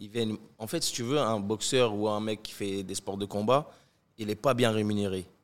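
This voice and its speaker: At a moderate pace, a man with a plain, everyday voice speaks at a fairly low pitch with fairly even intonation, in a very clean recording with a silent background. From Algeria, Algiers. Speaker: professional karate fighter. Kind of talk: casual interview. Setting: boxing gym.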